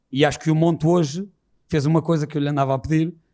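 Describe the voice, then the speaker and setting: A man's dark, mellow tone comes through with fairly even intonation. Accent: European Portuguese. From Portugal. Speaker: football coach. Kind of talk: press conference.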